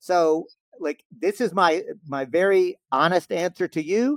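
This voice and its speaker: A man's high-pitched voice in a very clean recording, silent in the background, with a dry, close sound and no echo. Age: 60s. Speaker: activist and lawyer. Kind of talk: podcast interview.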